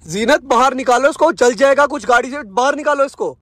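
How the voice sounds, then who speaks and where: A man's voice: very high voice, brisk, fairly bright tone, no echo. A young man vlogger in a car, scolding in an exasperated way and repeating himself. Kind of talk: casual vlog chat. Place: inside a car.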